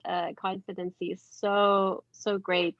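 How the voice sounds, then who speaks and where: A woman's voice: mid-range voice, level tone, takes it slowly, dry recording. A woman taking part in a casual panel conversation as one of the participants. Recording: dry but muffled call audio.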